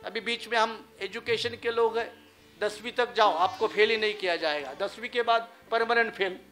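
High, bright-voiced man lecturing. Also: moderate pace, soft background music. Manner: rhetorical, asks the audience questions. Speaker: public speaker. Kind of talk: public lecture.

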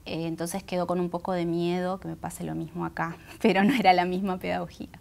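A woman in her thirties with a Buenos Aires Argentine accent and Guaraní as her first language, reflecting thoughtfully in an interview, pausing between phrases, on a lapel mic. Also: fairly low pitch, flat delivery, vocal fry, a little mellow. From Argentina, Buenos Aires area. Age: 30s. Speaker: interview guest, singer and poet. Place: indoor auditorium stage. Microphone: clip-on lapel microphone.

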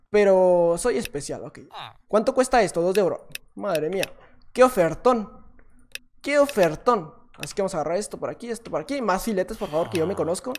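A man with a Mexican Spanish accent giving chatty, self-mocking gameplay commentary, with sudden excited shouts. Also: sits high, slight background noise. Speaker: gaming YouTuber.

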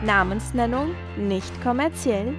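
A woman narrates a children's audio story from a script. Her voice is fairly high with animated intonation. She reads slowly, with music playing behind her.

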